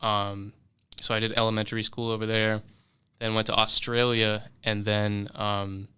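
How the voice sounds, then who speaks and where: A young man in his twenties who grew up in London talks through his answers in a relaxed, halting way, full of "um" and "like." His voice sits a little low yet sounds bright and forward. The tone is exceptionally clean and smooth. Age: 20s. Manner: relaxed, hesitant, many fillers and restarts. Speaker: guest musician. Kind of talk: casual interview answers. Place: studio.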